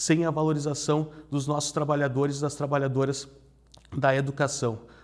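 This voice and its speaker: A man with a fairly high pitch talks at a fairly quick pace in a monotone, flat delivery over a quiet background. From southern Brazil, Rio Grande do Sul. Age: 30s. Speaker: mayoral candidate, party leader; candidate. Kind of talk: political interview. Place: studio.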